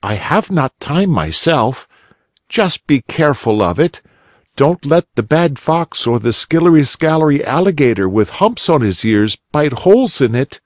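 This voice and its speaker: A man's voice: fairly high pitch, big pitch swings, a little slow, no room sound, pitched above the performer's own voice. A man voicing a motherly, fussy female muskrat housekeeper in a storybook.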